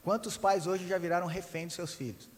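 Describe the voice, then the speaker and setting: A man preaching a sermon as a pastor, animated storyteller who acts out the people in his stories. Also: high-pitched, fairly quick. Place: church hall. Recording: long hall reverb.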